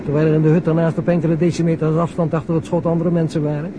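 An actor playing a reflective, questioning police detective in a naturalistic radio drama, musing aloud and probing with short questions. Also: male voice, on the high side, level tone, rapid-fire, noisy background, natural voice.

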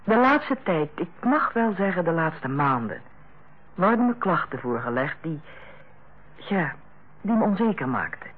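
An actress in a Dutch radio play as a female hospital director, authoritative yet kindly, speaking in a measured, formal and persuasive way. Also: lowish voice, big pitch swings. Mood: tactful, measured. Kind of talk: Dutch radio drama acting. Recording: muffled, band-limited old radio recording.

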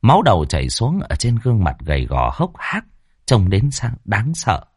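A man with a low voice narrates a ghost story, his pitch rising and falling dramatically. The recording is dry and close, with no room sound. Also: wildly swooping pitch, normal speed, breathy edge, dry recording.

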